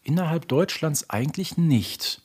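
A man's voice: on the high side, expressive, unhurried, a little mellow, breathy edge. A man co-hosting a fan podcast, chatting casually and explaining things with close attention to detail. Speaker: podcast co-host.

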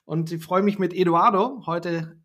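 A man's voice: high voice, a little slow, a bit bright. A man hosting a podcast, friendly and upbeat, interviewing a guest with long questions and a few fillers. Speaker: podcast host.

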